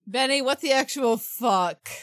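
Female tabletop player, slow-paced, fairly high voice, casual, sweary and joking. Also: fairly bright tone. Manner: profane, joking. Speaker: podcast guest player. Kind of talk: casual chat.

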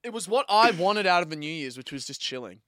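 Young Australian male co-host, higher-than-average voice, animated casual chat, dry studio-like closeness. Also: fast, no room sound. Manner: sweary, informal slang. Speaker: podcast co-host. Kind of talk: casual banter.

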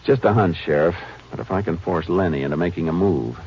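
Shrewd male lawman lead, deep bass, measured folksy delivery, dull vintage radio sound. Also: a little mellow, husky. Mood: probing, thoughtful. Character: steady, shrewd Texas Ranger lawman, grown man. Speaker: radio drama lead actor and narrator. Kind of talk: 1950s radio western acting and narration. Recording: muffled, noisy old radio recording.

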